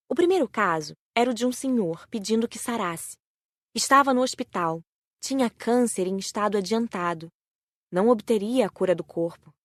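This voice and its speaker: A Brazilian woman reading scripted audiobook narration in a measured storytelling manner. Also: mid-range voice, no echo, clean studio sound.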